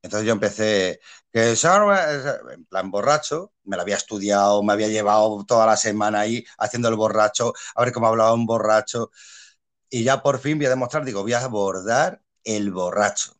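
A man from Spain with a Spanish accent, a guest actor telling anecdotes in a casual interview, animated and quick to laugh. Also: fairly low pitch. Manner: animated storyteller, laughs often, many fillers and repeats.

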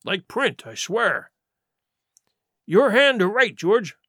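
A man's voice: sits high, big pitch swings, takes it slowly, a bit bright, husky, no echo, studio quality, pitched above the performer's own voice, heavily acted. A man voicing a cunning, scornful pirate sea cook in an audiobook, with emphatic, sarcastic speech in rustic nautical dialect. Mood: sarcastic, mocking. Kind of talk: audiobook character acting.

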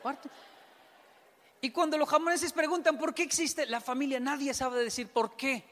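Colombian guy telling funny stories, acts out the dialogue, highish voice, big hall echo. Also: moderate pace. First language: Spanish. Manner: animated storytelling, acts out both sides of dialogues. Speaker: speaker. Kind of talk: humorous talk to an audience. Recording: long hall reverb.

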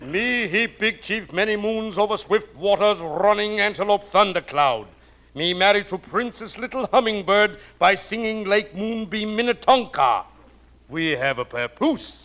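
An actor playing a solemn old male tribal chief who speaks slowly in broken phrases. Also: high-pitched, lively intonation, heavily acted. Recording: dull old recording with loud hiss.

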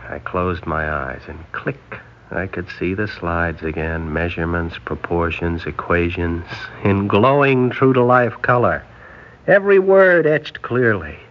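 A man's voice: low voice, animated, a little slow. A man playing an undercover agent who narrates his own story in a 1960s radio drama, wry and laconic. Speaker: narrator and lead. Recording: dull old broadcast with noise.

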